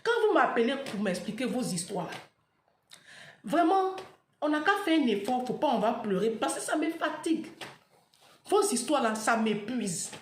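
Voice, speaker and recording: High-voiced woman telling an emotional story. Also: sing-song, normal speed, echoey room, a little hiss or hum. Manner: dramatic retelling, acts out dialogue. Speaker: vlogger.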